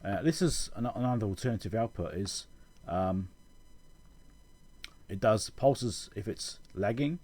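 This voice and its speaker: A man giving an informal technical explanation as a channel host, halting and correcting himself as he thinks aloud. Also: fairly low pitch, darkish tone, husky. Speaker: electronics repair channel host.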